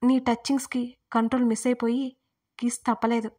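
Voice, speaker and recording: An aloof, teasing young man from a romance audio story, voiced by the woman who narrates it. He says his lines softly and keeps his feelings to himself. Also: fairly high pitch, flat delivery, a little fast, natural voice.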